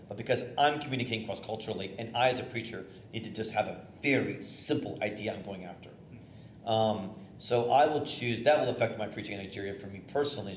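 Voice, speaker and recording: Energetic bishop teaching preaching, echoey room. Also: male voice, fairly low pitch. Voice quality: loud voice, theater-trained. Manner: conversational, energetic, with fillers and restarts. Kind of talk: informal teaching talk on preaching. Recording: echoey room, faint noise.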